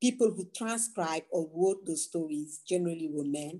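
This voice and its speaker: A woman speaks at a moderate pace in a fairly low voice with a dark, mellow tone. Her pitch varies in an ordinary way. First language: Bamana. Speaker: storyteller. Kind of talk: panel talk.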